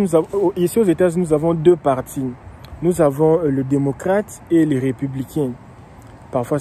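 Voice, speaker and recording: A man talks through immigration questions, with a very dark, mellow tone on a slightly raised pitch. He goes slowly, repeating himself and pausing on fillers. Faint city traffic hums behind him outdoors. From Democratic Republic of the Congo. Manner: slow and repetitive, with frequent hesitations and restarts. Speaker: immigration vlogger and coach. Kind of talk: casual explanatory monologue.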